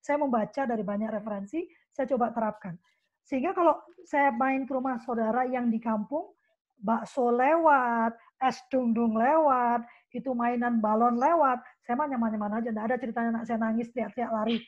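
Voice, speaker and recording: Animated high-voiced woman, lo-fi sound. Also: a little fast. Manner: animated, acts out her own lines to her child. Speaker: parenting guest speaker. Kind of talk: conversational parenting talk. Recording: dull lo-fi sound.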